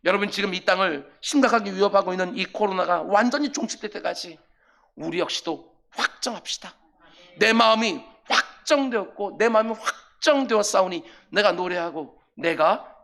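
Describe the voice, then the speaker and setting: A middle-aged male pastor preaching a sermon, building to loud, emphatic commands as he acts out scripture lines. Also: high-pitched, vocal fry.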